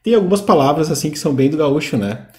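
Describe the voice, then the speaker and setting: A man from southern Brazil hosting a casual chat about accents, talking in a relaxed, conversational way and asking questions. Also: on the high side, quick pace, echoey room, a little hiss or hum. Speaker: host. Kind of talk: casual commentary on video clips.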